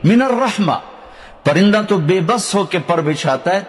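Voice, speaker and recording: An older man from Pakistan with a Punjabi accent, preaching a sermon and telling stories, dropping low to recite Arabic verses. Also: long reverb tail. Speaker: Islamic preacher.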